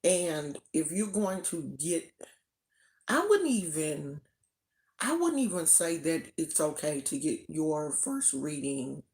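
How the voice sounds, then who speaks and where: Slow, low-voiced woman teaching casually. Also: big pitch swings, darkish tone. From United States. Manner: chatty, repeats herself for emphasis. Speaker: teacher of a religious tradition.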